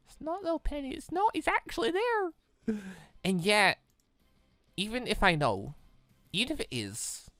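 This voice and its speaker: A gamer voicing a wistful, doubting visual novel character in a halting, emotional way. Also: mid-range voice, sing-song, bright, forceful tone, no room sound, soft background music, pitched above the performer's own voice, heavily acted. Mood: wistful, disbelieving.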